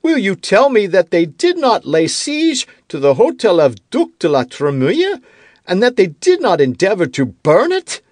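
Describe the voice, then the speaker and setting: A man voicing a fretful, self-pitying king who turns irritable and accusing, with a high, whiny, petulant voice in an audiobook. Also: huge pitch swings, normal speed, a little mellow, dry recording, clean studio sound, full character voice. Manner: rising into indignant outbursts. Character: fretful, self-pitying middle-aged king, quick to anger. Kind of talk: audiobook character reading.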